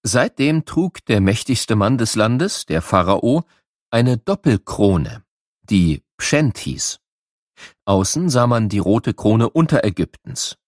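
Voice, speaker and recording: A man's voice: mid-range voice, dry recording, studio quality. A man reading scripted educational narration for children in an explanatory storytelling manner. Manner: clear storytelling, explanatory with rhetorical questions.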